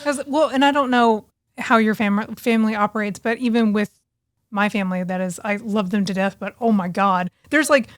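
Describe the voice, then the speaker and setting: A woman's voice: mid-range voice, fairly even intonation, moderate pace, no room sound, studio quality. A young adult woman co-hosting a podcast in casual chat, laughing often and acting out the lines she quotes. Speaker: podcast co-host, author.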